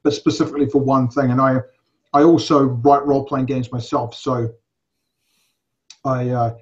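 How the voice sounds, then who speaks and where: A man's voice: medium pitch, fairly even intonation, moderate pace. Rambling man with an English–New Zealand accent. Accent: English with New Zealand tinge. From England, raised in New Zealand. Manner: rambling, hesitant, many fillers, wry asides. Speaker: convention organizer, guest. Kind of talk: casual podcast interview. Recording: dull lo-fi podcast audio.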